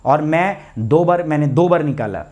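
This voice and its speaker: A man's voice: fairly high pitch, lively intonation, moderate pace, darkish tone. A man, a teacher telling a personal story to students in a live online class, chatty and anecdotal.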